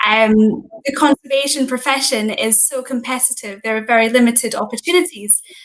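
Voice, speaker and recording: The speaker has a Scottish accent. Pitch variation is ordinary. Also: woman. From Scotland. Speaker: conservation charity worker. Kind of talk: interview.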